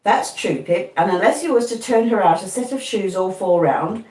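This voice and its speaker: Lady reading as a kindly plodding blacksmith guy, talk, pitch swinging up and down, roomy echo. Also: animated, normal speed, darkish tone, close to an everyday voice. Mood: earnest. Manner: plodding rustic speech, earnest and repetitive. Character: kindly slow-spoken blacksmith man, middle-aged. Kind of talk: audiobook reading. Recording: roomy, distant mic.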